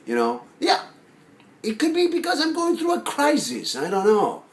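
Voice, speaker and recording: A man performing a monologue as a neurotic, self-deprecating, lovelorn forty-year-old who rambles haltingly. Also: very high-pitched, wildly swooping pitch, voice pushed up, exaggerated voice. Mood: loud, nervy. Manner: halting, rambling, full of fillers and restarts. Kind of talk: dramatic film monologue acting. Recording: roomy echo with faint background noise.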